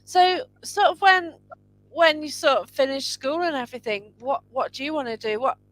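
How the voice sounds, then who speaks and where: A woman hosting a casual live chat, gushing and quick to praise her guests. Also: high voice, lively intonation, fairly bright tone, no echo, low-quality recording. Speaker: host.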